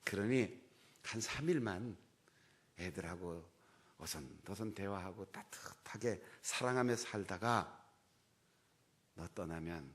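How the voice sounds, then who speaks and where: A man's voice: deep voice, animated, slow, long pauses. A man preaching a sermon as a pastor, telling a story and acting out the quoted dialogue.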